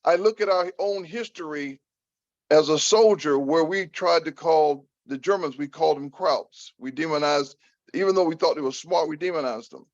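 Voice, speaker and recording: An older American man answering an audience member at a talk, speaking deliberately and repeating phrases for emphasis. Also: on the high side, dry recording, dull audio.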